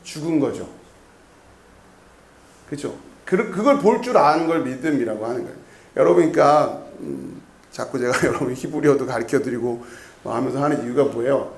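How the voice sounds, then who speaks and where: A man's voice: mid-range voice, moderate pace, roomy sound. A male pastor preaching an expository sermon in a conversational way. He often puts questions to the congregation and repeats key words. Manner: asks the congregation frequent questions. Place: church sanctuary.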